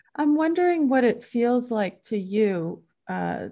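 A woman speaks at a very slow pace with lively intonation and a dark, mellow tone. The background is quiet. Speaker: psychiatrist and podcast host. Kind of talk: interview, casual conversation.

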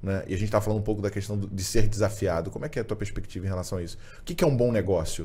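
Very fast and somewhat breathy, a man speaks with a dark, mellow tone at a fairly low pitch, with ordinary pitch variation. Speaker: podcast host, entrepreneur. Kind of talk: casual interview.

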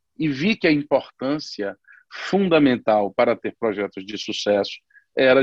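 An unremarkable speaking voice with lively intonation at a moderate pace, in a dry, close sound with no echo. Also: man. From Brazil, Salvador da Bahia. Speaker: architect. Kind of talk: interview.

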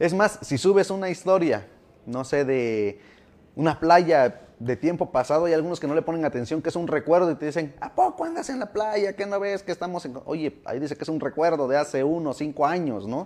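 Lively intonation marks this man's fairly high voice. He speaks at a fairly quick pace. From Mexico, Oaxaca. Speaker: podcast host, businessman. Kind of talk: podcast monologue. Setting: live-streamed broadcast. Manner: hesitant, many fillers.

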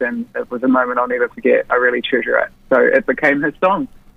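A woman with a New Zealand accent at a moderate pace. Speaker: singer-songwriter. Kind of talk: casual interview.

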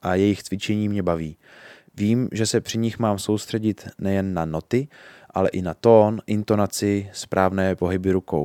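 On a very clean, dry, close recording with no echo and a silent background, a man speaks fairly slowly in a fairly low pitch, with a dark, mellow tone and ordinary pitch variation. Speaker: musician and music teacher podcast host. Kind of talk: reading aloud own article.

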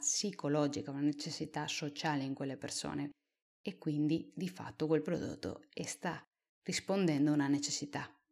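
A woman's very deep, low voice, fairly even in intonation, at a moderate pace. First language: Spanish (speaking Italian). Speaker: marketing consultant podcast host. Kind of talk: solo educational podcast monologue.

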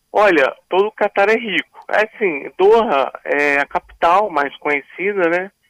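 Speaking at a fairly slow pace with hardly any pauses, a man uses a high pitch. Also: ordinary pitch variation, dry, close sound with no echo. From Brazil. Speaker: chef. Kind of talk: interview.

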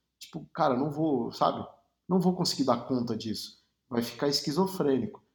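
Somewhat breathy, a man talks with lively intonation at a moderate pace. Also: fairly high pitch for a man. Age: 40s. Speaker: advertising agency co-CEO. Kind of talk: casual chat. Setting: at home, remote call. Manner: halting.

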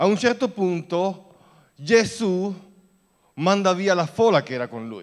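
Here a man with a high pitch talks at a fairly slow pace, his intonation lively. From Cuba. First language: Spanish (speaking Italian). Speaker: preacher. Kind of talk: sermon.

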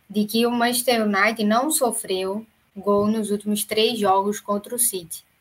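Fairly slow, somewhat breathy speech from a woman, fairly high in pitch, with fairly even intonation. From Pernambuco, Brazil. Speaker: football podcast host. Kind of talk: casual football chat. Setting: livestream.

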